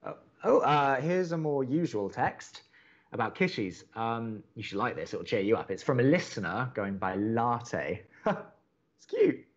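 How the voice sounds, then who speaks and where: An actor playing an earnest, awkward young college radio co-host in a romantic comedy podcast, hesitant and stammering. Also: male voice, mid-range voice, sing-song, a little slow, muffled recording. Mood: cheerful, coaxing. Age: young adult.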